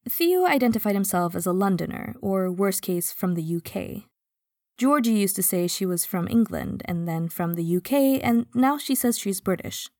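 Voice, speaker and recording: A woman's voice: mid-range voice, mellow, no room sound, studio quality. Swedish woman narrating a podcast. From Sweden, Stockholm. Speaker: podcast host. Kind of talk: scripted narration.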